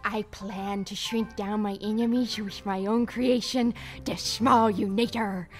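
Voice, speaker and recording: A scheming cartoon villain, played by a woman, full of theatrical gloating. The voice is nasal and mid-pitched, over faint background music. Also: fairly even intonation, unhurried, lightly acted.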